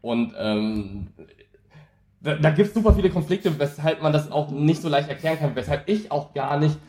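A man in his thirties, born in Taiwan and raised in Germany, talking as a podcast guest in a thoughtful, hesitant way with many pauses and tag questions. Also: fairly high pitch, dark tone, reverberant. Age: 30s. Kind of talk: casual interview conversation.

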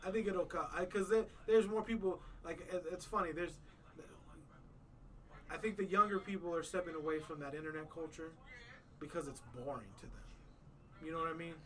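A man's voice: a little high, steady tone, a little fast, distant mic. A man hosting a podcast in casual chat, laid-back and rambling, filling his talk with "man" and "you know". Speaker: podcast host.

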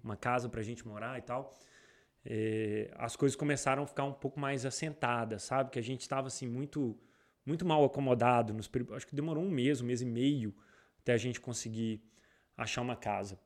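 A man's voice: medium pitch, brisk. A man from Brazil with a Brazilian Portuguese accent, a guest in a casual interview, telling stories with many restarts. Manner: rambling, frequent restarts, animated retellings. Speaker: guest, entrepreneur.

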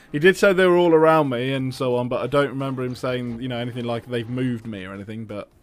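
A man's voice: medium pitch, a little fast, pauses often. Giggly man, stammering. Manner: laughs often, stammers and repeats words. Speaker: tabletop game player. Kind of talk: casual chat on a stream.

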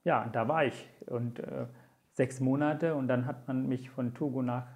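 Gravelly man, Tamil native, recounting slowly. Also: medium pitch, fairly even intonation, a little mellow. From Sri Lanka. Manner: many hesitation fillers, earnest and reflective. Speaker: interview guest. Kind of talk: conversational storytelling.

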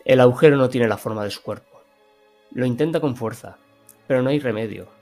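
A man's voice: mid-range voice, fairly quick, a little mellow, soft background music, lightly acted. A man playing a sinister narrator of a macabre horror tale, dramatic and ominous. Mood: grim, dramatic.

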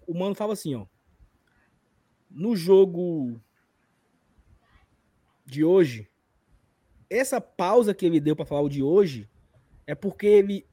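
High-voiced man, Ceará accent, occasional stutter, dry close sound, casual storytelling, live podcast host. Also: darkish tone, dry recording. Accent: Northeastern Brazilian, from Ceará.

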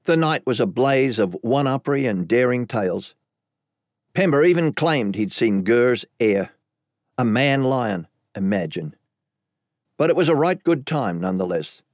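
A man's voice: medium pitch, expressive, a little slow, dry recording, clean studio sound. A man narrating an audiobook in the first person, telling the story evenly.

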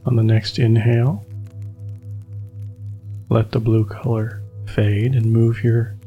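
A man guiding a meditation in slow, soothing, calm instructions. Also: medium pitch, dull audio, faint music behind. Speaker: meditation guide. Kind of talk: guided meditation.

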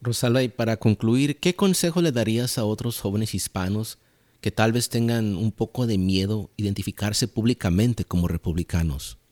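Man, podcast host, lowish pitch, measured formal questions. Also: a little mellow. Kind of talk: interview questions.

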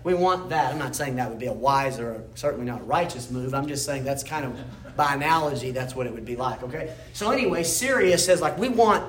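A man with a fairly high voice leads a Bible history lesson, talking it through casually and stopping to ask "okay?" along the way. He sounds like he is in an echoey church room, with faint noise in the background. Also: fairly bright tone. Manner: conversational, explanatory, often checks in with "okay?". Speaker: Bible class teacher.

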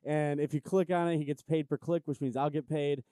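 A man's voice: a little high, fairly even intonation, a little fast, mellow, no echo, clean studio sound. A man co-hosting a podcast in casual banter, teasing his partner and laughing often. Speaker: podcast co-host.

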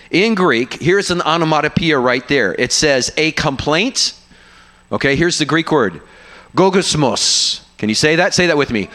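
Bright-voiced man preaching a lively sermon. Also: on the high side. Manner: lively, engaging the congregation with questions. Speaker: university guest preacher.

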